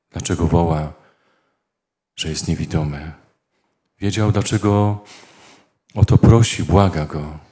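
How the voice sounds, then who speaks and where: A man preaching a sermon as a priest, earnest and speaking in short phrases with pauses. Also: deep voice, warm tone.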